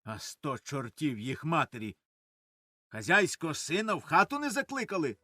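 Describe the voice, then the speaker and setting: A man's voice: fairly high pitch, wildly swooping pitch, moderate pace, dry recording, exaggerated voice. A man reading the part of a grasping, coarse old farmer who curses and grumbles, in a dry studio audiobook of a stage play. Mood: gruff. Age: older. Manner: gruff, cursing, shouts in his sleep.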